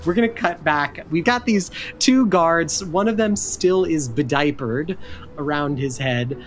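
Low-pitched woman game master. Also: a little slow, slight background noise. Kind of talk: narrating a tabletop game. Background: faint music.

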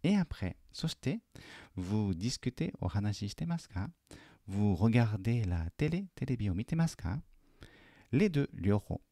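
A man teaching French in a lesson video, patiently correcting a student's homework and repeating French phrases slowly and carefully. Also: fairly low pitch, sing-song, dark tone, no room sound, studio quality.

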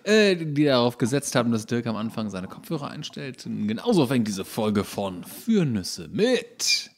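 A man banters casually as a podcast co-host. His mid-pitched voice is noticeably creaky, and he drops teasing, wry interjections. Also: very animated, unhurried.

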